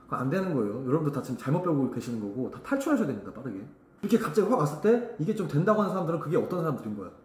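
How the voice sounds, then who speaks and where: A man's voice: on the high side, sing-song, racing, darkish tone, roomy sound. A man teaching singing in a blunt, emphatic way, breaking into short sung demonstrations. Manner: blunt, emphatic, sings short demo phrases. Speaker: vocal coach. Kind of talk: vocal lesson talk to camera. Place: vocal studio.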